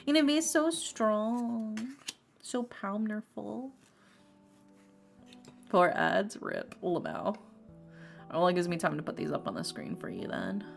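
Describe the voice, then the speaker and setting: Young Texan woman streamer, loose and rambly, slight fry, soft music underneath. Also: mid-range voice, very animated, a little slow, long pauses. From Texas. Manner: rambling, filler-heavy, swears casually. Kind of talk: casual stream chat. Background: lofi music.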